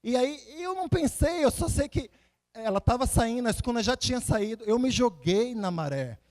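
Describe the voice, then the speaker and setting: A male preacher with a notably high-pitched voice. He delivers a conversational sermon like a storyteller, repeating phrases for emphasis and putting rhetorical questions to his listeners. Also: animated, normal speed, darkish tone. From Salvador, Bahia, Brazil. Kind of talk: conversational sermon with personal anecdotes and scripture readings.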